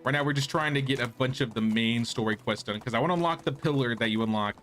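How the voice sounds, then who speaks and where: A man's voice: medium pitch, fast talker, fairly bright tone. A man streaming a game, giving casual live commentary with dry, wry asides.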